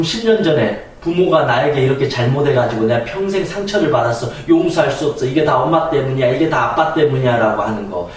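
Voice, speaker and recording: A man lectures in a lively, animated way, his pitch rising and falling as he acts out examples. His voice is a little higher than most men's. The recording is very echoey and taken from a distance. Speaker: lecturer on anxiety, channel host. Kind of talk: spoken lecture. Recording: echoey room, distant mic.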